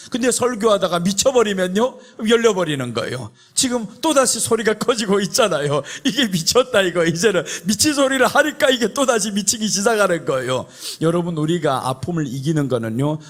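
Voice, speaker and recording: A man preaching as a pastor in an impassioned, conversational style, emphatic and repetitive, exhorting listeners with rhetorical questions. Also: sits high. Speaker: pastor preaching at a prayer retreat.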